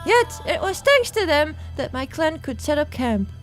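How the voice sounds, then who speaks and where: A woman voicing a courteous, gentle lady healer in a fantasy game, speaking in a polite, formal, measured way. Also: sits high, sing-song, faint music behind. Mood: solemn.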